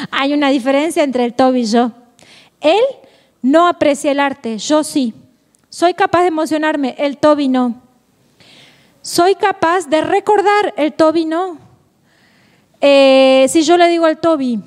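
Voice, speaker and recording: In an echoey hall with long reverb, a woman delivers a Catholic formation lecture, playful and quick to laugh, posing rhetorical questions. Her voice is high-pitched and darkish, a little slow, with frequent pauses.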